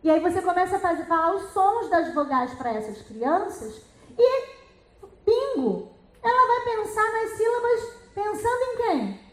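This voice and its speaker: A middle-aged woman with a high voice explains reading lessons to teachers. She talks in a lively way and keeps asking rhetorical questions. The room around her is roomy and echoey. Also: unhurried. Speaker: educational psychologist and teacher.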